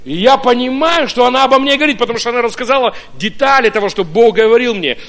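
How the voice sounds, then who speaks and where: A pastor from Ukraine preaching a sermon, telling his own story in an animated way with many hesitant fillers. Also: very high voice, quick pace. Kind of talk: sermon with personal testimony.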